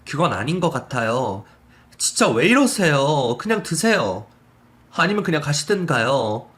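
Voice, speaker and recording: A man's voice: a little high, sing-song, a little slow, pitched above the performer's own voice. A man voicing a grieving young daughter-in-law who speaks politely but firmly. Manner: polite, restrained, sharp-edged.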